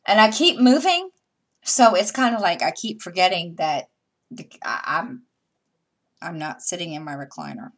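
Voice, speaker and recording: A chatty middle-aged woman talks to her camera at home while she stitches. Her voice sits low, and she wanders through her thoughts with fillers and restarts. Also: animated, moderate pace. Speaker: stitching vlogger. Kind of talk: casual chat while stitching. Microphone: camera mic.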